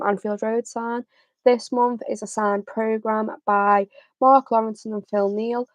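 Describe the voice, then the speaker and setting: A young woman with a slightly raspy voice, talking casually to her livestream viewers with lots of fillers. Her delivery stays fairly level without big swings in pitch. She sounds close to the mic in a dry room with no echo. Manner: chatty, relaxed, many fillers. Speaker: host of a football livestream. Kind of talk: casual live chat.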